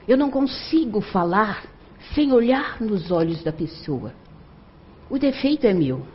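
A woman voicing a kind, gentle woman who cares for a boy, speaking softly and tenderly, on a muffled recording. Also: medium pitch, animated, measured pace, slight background noise, natural voice.

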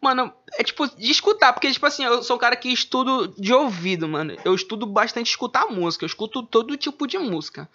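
A man's voice: extremely high pitch, animated, fast, few pauses, pushed and bright. A man, a rapper guest talking casually in an interview, full of laid-back street slang. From Manaus, Brazil. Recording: dull lo-fi audio.

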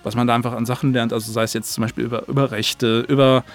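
A man chatting casually as a podcast guest about creative work, speaking in a halting, rambling way and often circling back mid-sentence. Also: medium pitch, flat delivery, soft background music. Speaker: audio drama creator, interview guest.

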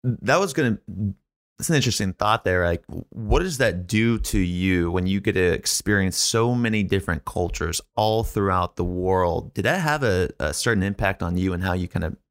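A man hosting a podcast interview, introducing his guest with an energetic countdown and asking questions. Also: deep voice, normal speed. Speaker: podcast host.

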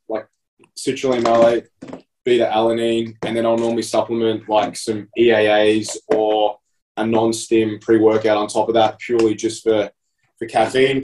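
A man's voice: lowish voice, darkish tone, distant mic, a little hiss or hum. A man in his thirties explaining things in a casual podcast chat, with many fillers. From Australia. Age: 30s. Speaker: podcast co-host and coach. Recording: echoey room, away from the mic.

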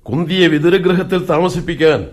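In a 1980s Malayalam radio drama, an actor plays the blind old king Dhritarashtra, anxious and suspicious as he questions his advisor. His voice is on the high side and close to an everyday register, at a moderate pace. He sounds wary, probing and troubled.

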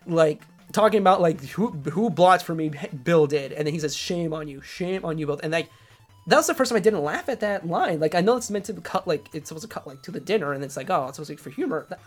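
Man, podcast co-host, casual recap, animated, laughing, acts out quotes, faint music behind. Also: fairly high pitch. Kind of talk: casual chat recapping a cartoon episode.

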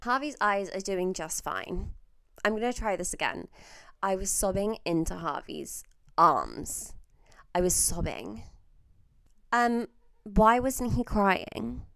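A woman's voice: medium pitch, lively intonation, slow, vocal fry, long pauses, fairly bright tone, no echo, clean studio sound. A young woman with an Australian accent hosting a casual solo podcast, chatty and self-mocking, swearing freely while getting over a chest infection. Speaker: podcast host.

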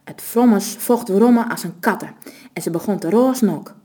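Mellow-voiced woman reading a story. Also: medium pitch, normal speed. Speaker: narrator.

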